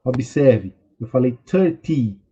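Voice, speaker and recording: A Brazilian man teaches an English class at an unhurried pace, patiently repeating each word so students can follow along. His voice is dark and slightly husky. The audio sounds dull and lo-fi. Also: mid-range voice, expressive. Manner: slow, patient, drills words for students to repeat. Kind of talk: recorded online class.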